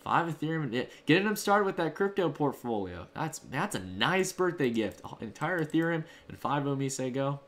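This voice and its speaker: A man's voice: fairly high pitch, very animated, normal speed, few pauses, a bit bright. A man hosting a livestream from home, casually thanking donors and answering chat in a loose, rambling way. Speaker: livestream host. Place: home room.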